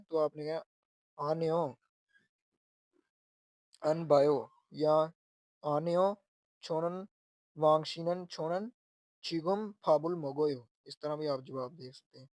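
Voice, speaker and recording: A man's voice: fairly high pitch, dry recording. A man teaching Korean, patiently explaining phrases word by word. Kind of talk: explaining Korean exam lessons.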